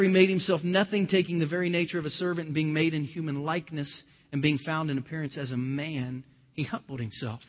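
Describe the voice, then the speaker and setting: A man from Ohio preaching a sermon as pastor, mixing scripture reading with conversational personal stories. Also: fairly high pitch. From Ohio, USA. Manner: conversational storytelling with scripture quotes. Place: church. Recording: dull lo-fi sound with long hall reverb.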